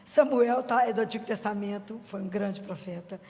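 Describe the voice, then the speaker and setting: A woman's voice: mid-range voice, moderate pace, warm tone. Woman, Minas Gerais accent, folksy preaching talk, rhetorical questions, reverberant hall. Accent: Minas Gerais Brazilian Portuguese. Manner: chatty, folksy, with many rhetorical questions to the audience. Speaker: Catholic lay speaker.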